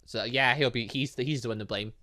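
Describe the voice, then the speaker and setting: A male gaming video host speaks fast with a mid-range voice and a sharp tone. During a game playthrough he reads the dialogue aloud and comments theatrically, full of exclamations.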